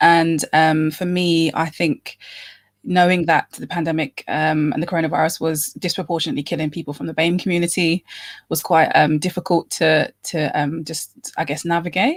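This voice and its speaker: A woman speaks at a moderate pace in a fairly low voice, her intonation fairly even, the sound dry and close with no echo. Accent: London. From London. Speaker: guest interviewee. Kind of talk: casual interview.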